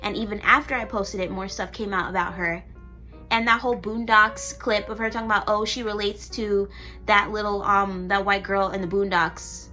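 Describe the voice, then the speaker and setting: A woman's voice: medium pitch, fairly even intonation, moderate pace, sharp tone, faint music behind. A young woman doing her makeup on camera in a casual vlog, talking bluntly and heatedly and swearing freely. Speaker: beauty vlogger.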